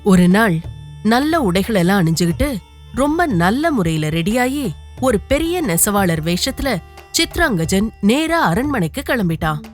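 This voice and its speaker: A woman reading a scripted children's folktale as an expressive storyteller. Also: mid-range voice, a little slow. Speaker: storyteller, narrator. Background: music.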